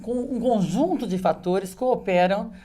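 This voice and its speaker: A woman co-hosting an interview sums up the guest's ideas and affirms them. Her voice is at an ordinary middle pitch. The chatter of a crowd is clearly heard behind her. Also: measured pace. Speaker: talk-show co-host. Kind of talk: interview conversation.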